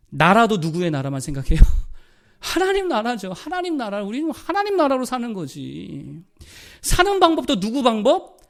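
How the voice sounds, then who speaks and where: A middle-aged man, a pastor, preaching a sermon in a church, swinging between loud exclamations and quiet asides. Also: high-pitched. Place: church sanctuary.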